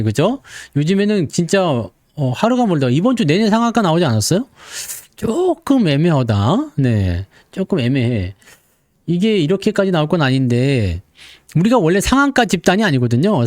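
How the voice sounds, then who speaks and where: A chatty man hosts a stock market livestream and greets viewers one after another. His voice sits a little high and jumps around a lot as he jokes along. The sound is close and dry, with no room around it. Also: darkish tone, dry recording. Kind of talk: casual live-stream chat greeting viewers.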